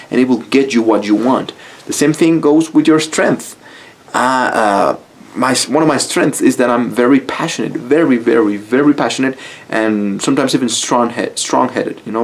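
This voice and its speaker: A man from Mexico with a Mexican Spanish accent, speaking English as a second language, giving a blunt, casual motivational talk to camera and swearing freely. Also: mid-range voice. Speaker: YouTube style coach.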